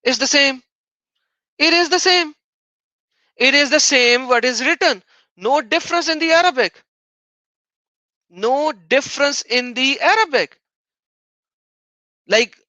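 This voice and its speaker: A man's voice: very high voice, pushed and bright, no echo, muffled recording. A man whose native language is Urdu, hosting a heated livestream debate and reading out viewer donations, combative and insistently repeating his point.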